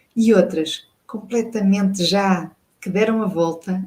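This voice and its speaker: A woman is speaking. She has a European Portuguese accent. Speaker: fashion designer and livestream host. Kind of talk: live stream chat reading comments. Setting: live stream.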